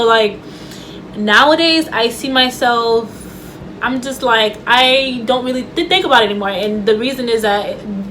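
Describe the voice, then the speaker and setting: A woman's voice: mid-range voice, a bit bright, poor audio. A woman vlogging casually to camera. She stutters and talks loosely, with lots of fillers and restarts. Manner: stutters, with repeated words and restarts; chatty and loose, with many fillers. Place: home room with air conditioner running. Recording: faint air conditioner hum.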